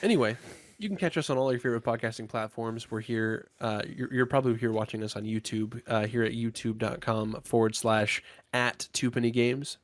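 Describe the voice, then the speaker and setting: A congested man with a plain mid-pitched voice, recorded close and dry with no room sound. He talks loosely and casually, swearing now and then as he rattles through plugs. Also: fairly even intonation, a little fast, no room sound. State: congested, getting over a cold. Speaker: podcast co-host opening the show. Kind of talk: casual podcast chat. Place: podcast recording, indoors.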